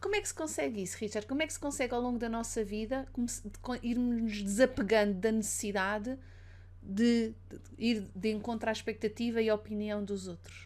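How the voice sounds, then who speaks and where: A woman's fairly high-pitched voice with fairly even intonation, an ordinary speaking voice. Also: fairly quick pace. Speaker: podcast host. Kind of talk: interview conversation.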